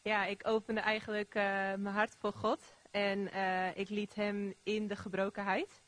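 A woman from the congregation giving a hesitant spoken testimony, pausing with fillers. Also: medium pitch, level tone, a bit bright.

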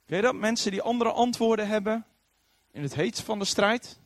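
A man preaching a sermon, telling the story in an animated way and acting out the voices of the people he quotes. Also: sits high, normal speed, no room sound.

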